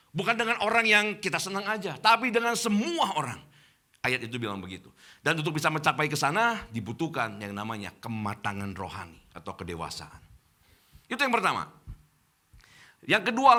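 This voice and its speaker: A middle-aged male pastor with an Indonesian accent preaching a sermon to his congregation in church, addressing them directly. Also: on the high side. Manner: addresses congregation as Bapak Ibu, animated preaching.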